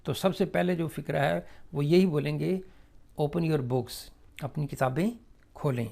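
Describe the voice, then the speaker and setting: Gravelly man teaching English phrases. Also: fairly high pitch, warm tone. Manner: slow, drawn-out model sentences in English, then Urdu explanation with many fillers. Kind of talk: spoken English lesson explained in Urdu.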